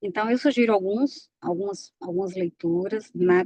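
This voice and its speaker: A woman with a strong Pernambuco accent speaks at a fairly slow pace in a dark, mellow tone with ordinary pitch variation, the sound dry and close with no echo. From Pernambuco, Brazil. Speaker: physician and speaker on health AI. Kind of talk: lecture.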